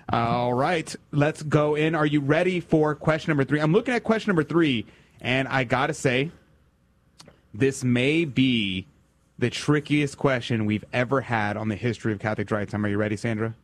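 A man's voice: mid-range voice, normal speed, no room sound. A man hosting a call-in radio quiz, teasing and upbeat. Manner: teasing, playful quizmaster. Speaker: radio host.

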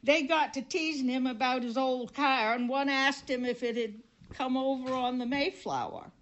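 An older woman with a Maine accent telling humorous local stories at a live event, delivering the punchlines dryly and deadpan. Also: sits high, normal speed. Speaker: storyteller. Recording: dull recording from a live event.

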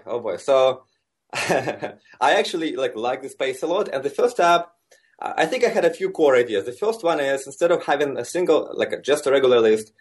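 A man in his thirties from Russia with a Russian accent, a software engineer explaining his work as a guest in a conversational interview, relaxed and full of fillers. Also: mid-range voice, slightly rough. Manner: relaxed and explanatory, many fillers like "like" and "you know".

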